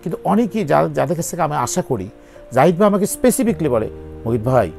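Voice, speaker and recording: A man's voice: a little high, sing-song, fast, gravelly, darkish tone, faint music behind. A male actor, talking as an interview guest in an earnest, emphatic, pleading way. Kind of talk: interview conversation.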